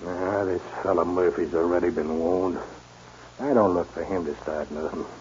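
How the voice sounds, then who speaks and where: An actor playing a crude, surly outlaw gunhand with a gruff drawl in a 1940s radio drama. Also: male voice, low voice, normal speed, darkish tone, natural voice. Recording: dull old radio recording with hiss.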